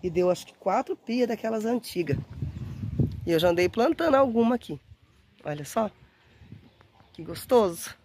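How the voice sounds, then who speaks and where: A woman in her forties, slightly hoarse from a cold, chatting warmly to her phone camera outdoors in a windy garden. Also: mid-range voice, lively intonation, normal speed, pauses often. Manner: warm, chatty, often says "gente" and diminutives. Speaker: gardening vlogger. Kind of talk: casual chat to camera. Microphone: phone camera held at arm's length. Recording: faint wind noise outdoors.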